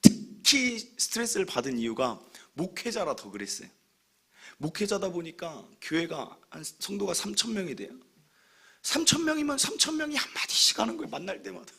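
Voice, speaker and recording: A man in his thirties, a pastor preaching a sermon, telling stories with animated humor and acting out what other people say. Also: high-pitched, moderate pace, creaky, husky. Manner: acts out other people's remarks.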